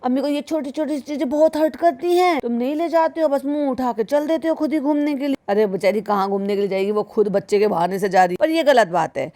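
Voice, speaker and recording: A woman's voice: high-pitched, brisk, few pauses, dark tone. A woman giving critical reaction commentary in a sarcastic, scolding manner, often speaking straight to the listener. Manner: sarcastic, scolding, mimics the people she mocks; keeps addressing the listener as "bhai sahab".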